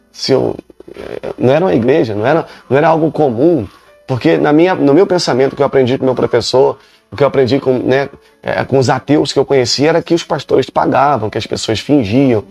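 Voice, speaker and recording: A man's voice: mid-range voice, creaky, a little mellow. A male pastor, telling his own conversion story emphatically and with many repetitions. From Rio de Janeiro, Brazil. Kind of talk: preaching a personal testimony.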